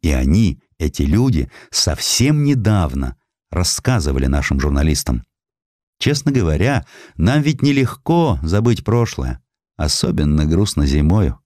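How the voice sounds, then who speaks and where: A man reading a scripted historical sketch as an audiobook narrator, in an expressive, dramatic storytelling manner. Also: extremely low pitch, measured pace, no echo, clean studio sound. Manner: expressive storytelling, acting out quoted speech.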